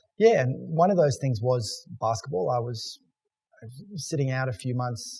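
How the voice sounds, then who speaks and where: At a moderate pace, a man with a medium pitch and a dark, mellow, somewhat breathy tone speaks with lively intonation and long, frequent pauses. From South Africa (Natal). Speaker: interviewee sharing personal story. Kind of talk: interview testimony.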